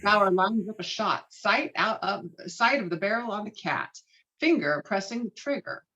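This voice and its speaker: A woman's voice: mid-range voice, lively intonation, normal speed, sharp tone, highs cut off. A woman narrating screenplay stage directions with a dramatic, emphatic read on a video call.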